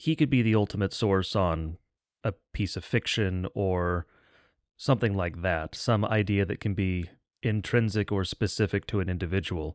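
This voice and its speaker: A normal speaking voice, a man's, sits fairly low in pitch with ordinary variation, moving at a moderate pace in a dry, close recording with no echo and a quiet background. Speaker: podcast co-host, Lutheran pastor. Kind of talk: theological discussion. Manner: formal.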